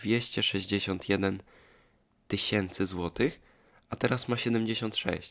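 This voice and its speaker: A man with a fairly low pitch speaks on a very clean recording with a silent background. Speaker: YouTuber. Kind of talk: vlog. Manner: hesitant, many fillers.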